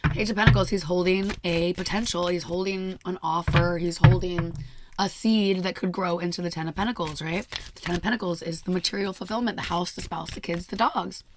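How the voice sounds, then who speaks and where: Hoarse-voiced woman reading tarot. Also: fairly low pitch, a little hiss or hum. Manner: chatty, laughs often, spiritual talk. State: hoarse, losing her voice. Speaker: tarot reader. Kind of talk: casual daily tarot reading. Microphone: microphone.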